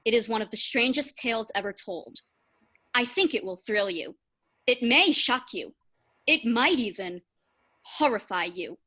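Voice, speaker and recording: A woman's voice: on the high side, animated, a little slow, bright, forceful tone. A woman giving a mock-solemn, theatrical warning in the manner of an old film prologue. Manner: formal, theatrical.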